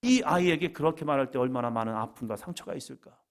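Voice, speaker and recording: Dramatic Korean pastor with lively pitch. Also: male voice, quick pace. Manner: dramatic, swings from loud cries to quiet asides; leads the congregation in call-and-response. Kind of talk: lively evening worship sermon.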